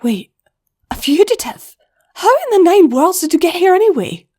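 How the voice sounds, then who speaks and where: A woman's voice: extremely high pitch, big pitch swings, moderate pace, voice pushed up. Brusque goblin big sister with a put-on lilt, voiced by a woman narrator. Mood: rueful. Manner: brusque, teasing, softens to whispers. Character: tough older-sister female goblin mare.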